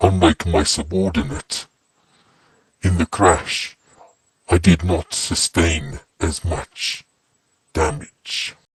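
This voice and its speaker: Long, frequent pauses in a very slow, put-on character voice from a man, pitched very deep and low. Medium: audio drama. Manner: flat, mechanical, formal.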